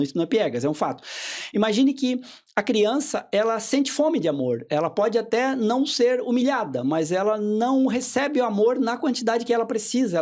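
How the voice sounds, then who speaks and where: Speaking with a high voice, a male hypnotherapist guesting on a podcast lays out his ideas calmly, like a teacher, often pausing to check in through short tag questions.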